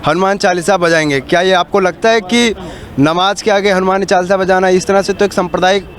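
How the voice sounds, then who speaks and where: High-pitched male street reporter. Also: fairly even intonation, fairly quick. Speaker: reporter interviewing passers-by. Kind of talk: street opinion poll questioning. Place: outdoors on a city street.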